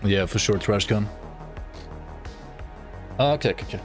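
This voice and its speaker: A man's voice: on the low side, moderate pace, faint music behind. A man streaming a game, chatting casually and rambling with his viewers as he thinks aloud. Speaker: gaming livestreamer. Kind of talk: casual chat with viewers while gaming.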